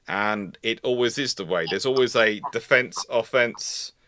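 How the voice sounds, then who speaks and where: Bright-voiced man hosting a live discussion. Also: lowish voice, dry recording. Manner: halting, self-correcting, rephrasing mid-sentence. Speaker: host of a naval history live Q&A. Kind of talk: unscripted live discussion, answering viewer questions.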